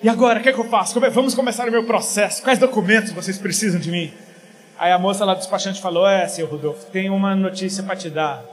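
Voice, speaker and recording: A middle-aged man from Paraíba, Brazil, preaching a casual, joking sermon that swings from quiet to loud. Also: high-pitched, steady tone, quick pace.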